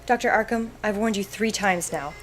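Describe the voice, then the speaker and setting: A woman's voice: mid-range voice, normal speed, faint music behind, lightly acted. A woman playing a security guard in a fan web drama, giving a firm but apologetic, official warning.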